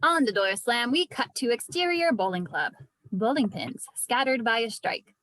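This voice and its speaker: A woman's voice: fairly high pitch, animated, moderate pace, a bit bright, dry recording, poor audio. A woman narrating scripted stage directions at a table read. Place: indoors, remote online read.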